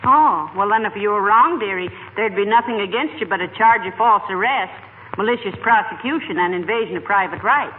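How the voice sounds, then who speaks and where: A woman's voice: mid-range voice, expressive, a little fast, phone-quality sound, natural voice. Woman playing a dry, teasing wife. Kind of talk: 1940s radio comedy acting. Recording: scratchy old radio broadcast, loud hiss.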